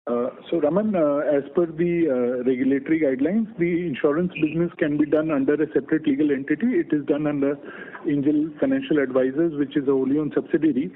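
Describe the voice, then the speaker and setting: A man's voice: fairly high pitch, steady tone, quick pace. A male company executive explaining figures on an earnings call in a matter-of-fact but hesitant way. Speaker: company executive answering questions. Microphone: conference phone call. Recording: narrow phone line with clear noise.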